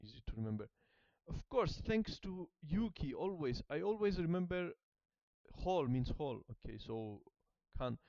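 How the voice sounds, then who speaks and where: A German-speaking man learning a language thinks aloud during a study session, hesitating, repeating words as he works them out, and laughing softly and self-consciously. His smooth voice sits on the high side and is very animated, though he never rushes. The sound is dry and slightly muffled.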